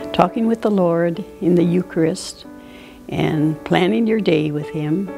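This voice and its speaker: With music behind her, a woman talks fairly slowly, her intonation lively. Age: 80s+. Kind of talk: interview answer.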